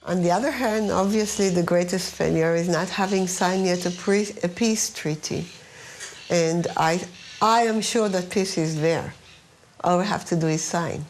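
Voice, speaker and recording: A woman's voice: fairly low pitch, moderate pace, a little hiss or hum. A woman being interviewed for a documentary, speaking in a thoughtful, earnest way. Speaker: interviewee, family member.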